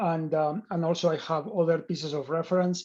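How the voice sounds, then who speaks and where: A high-pitched man's voice with a dark, mellow tone at a fairly quick pace. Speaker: chemistry professor. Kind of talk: lecture. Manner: fast; sometimes too quiet.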